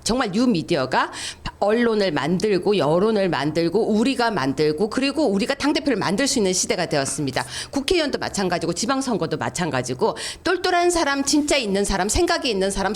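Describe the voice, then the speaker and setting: Fervent speechmaking woman in her 50s. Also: mid-range voice. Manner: fervent, speechlike, stumbles over names with laughing slips. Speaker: professor and political YouTuber. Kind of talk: political panel talk.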